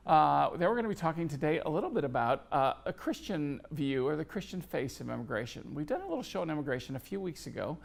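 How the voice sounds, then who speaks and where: A man hosting a local faith talk show, easygoing and halting, with many fillers and restarts. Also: fairly high pitch, creaky. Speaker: host.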